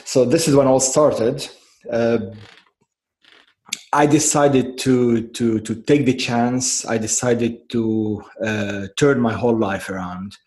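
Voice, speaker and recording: A man, a coach telling his story as a guest in a casual interview, halting and trailing off quietly. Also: mid-range voice, fairly even intonation. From Lebanon. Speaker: guest, life and business coach.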